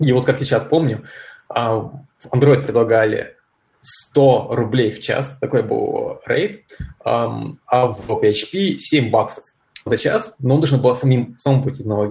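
Somewhat breathy and at medium pitch, a man speaks at a fairly slow pace with ordinary pitch variation and long, frequent pauses. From Russia, Omsk. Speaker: Android team lead and podcast host. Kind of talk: casual chat.

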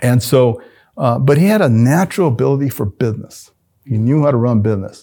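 The man's voice has a dark, mellow tone. His pitch varies in an ordinary way. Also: medium pitch for a man. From Albuquerque, New Mexico. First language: Spanish. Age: 70s. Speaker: business founder and CEO. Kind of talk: interview.

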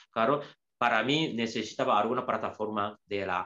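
A man speaks with a Japanese accent. His tone is bright and sharp. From Japan, Kobe. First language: Japanese (speaking Spanish). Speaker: president of a cultural association. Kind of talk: interview. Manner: halting.

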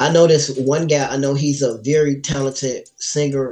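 Music plays in the background. A man with an American accent speaks at a fairly high pitch in a flat, monotone way. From Gary, Indiana, US. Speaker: singer-songwriter. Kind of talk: casual interview. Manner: halting.

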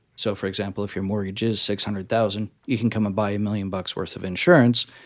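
A man speaks in a normal speaking voice with a Canadian accent, fairly low in pitch. His pace is fairly quick, his intonation fairly even, and the recording very clean with a silent background. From Vancouver, Canada. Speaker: financial advisor. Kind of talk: casual interview chat, explaining.

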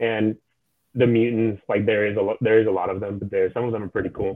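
This man speaks in a Spanish accent with monotone, flat intonation. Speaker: NFT artist. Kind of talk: casual group chat.

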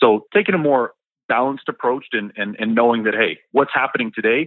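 A man with a normal speaking voice talks at a fairly quick pace, his medium pitch carrying lively intonation. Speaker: mortgage broker. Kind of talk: short interview.

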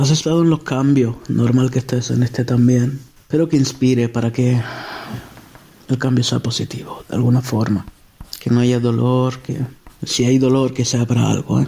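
A man speaks in a monotone, flat intonation. Long, frequent pauses break up his speech amid noticeable background noise. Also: medium pitch for a man, moderate pace. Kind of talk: spontaneous spoken letter. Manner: halting, repeats words.

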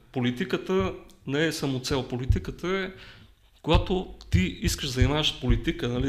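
The man has an ordinary speaking voice. He speaks at medium pitch and a moderate pace. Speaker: political analyst and researcher. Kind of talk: casual interview conversation.

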